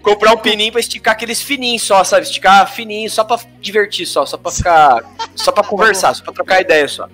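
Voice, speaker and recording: A man's voice: sits high, fairly quick. A man with a Brazilian Portuguese accent in casual, slangy banter on a panel, swearing freely. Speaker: podcast panelist. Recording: music playing behind the voice.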